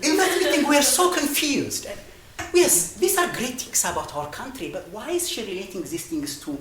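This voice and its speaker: Lively, hesitant man with an Ethiopian accent. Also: very high voice, normal speed, reverberant, slight background noise, rough recording. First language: Amharic. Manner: hesitant, with many fillers and restarts, often laughing between phrases. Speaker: storytelling speaker. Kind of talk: personal storytelling talk.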